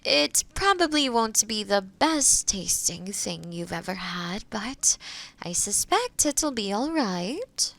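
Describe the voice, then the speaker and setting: Woman acting as a kind forest witch, soft n slow, bit of creak, talks you gently thru her potion brewing. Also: mid-range voice, very animated, heavily acted. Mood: thoughtful. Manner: soft, caring, hesitant, explaining patiently. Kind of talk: roleplay audio addressed to the listener.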